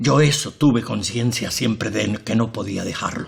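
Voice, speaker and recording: This man talks at a fairly slow pace with medium pitch and fairly even intonation. Noticeable background noise sits behind him. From Canary Islands, Agaete, Gran Canaria. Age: 80s+. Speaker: painter. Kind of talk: interview testimony.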